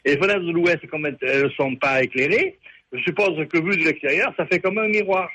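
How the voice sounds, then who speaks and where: A man's voice: fairly high pitch, fairly quick, sharp tone, highs cut off. A man from the Ardèche with a southern French accent, an older caller telling a rambling, hesitant story on a radio phone-in. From Ardèche, southern France. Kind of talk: phone-in chat.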